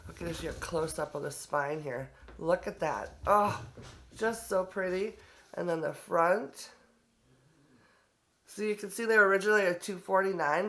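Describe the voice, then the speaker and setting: A woman with a bright, clear-toned voice sits in her kitchen showing off her bargains. She sounds stuffy and congested from allergies, and gushes over each find with easy enthusiasm, her voice sitting slightly low for a woman. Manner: gushing, enthusiastic, many fillers. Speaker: thrift haul vlogger. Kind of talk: casual chatty show-and-tell. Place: home kitchen.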